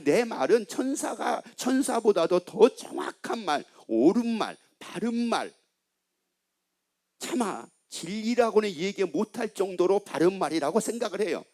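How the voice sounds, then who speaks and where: A man's voice: high voice, darkish tone. A middle-aged male pastor preaching a sermon, asking the congregation questions and answering them himself, and acting out the lines of a scolding father.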